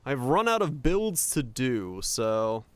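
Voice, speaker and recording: A relaxed man chats casually while streaming, his voice coming through livestream headset audio. The sound is close and dry, with a smooth, clean tone. He laughs easily and lets his sentences trail off with fillers. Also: mid-range voice, slow pace, no echo. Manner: laid-back, chatty, laughs often, trails off with fillers. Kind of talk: casual gameplay chat.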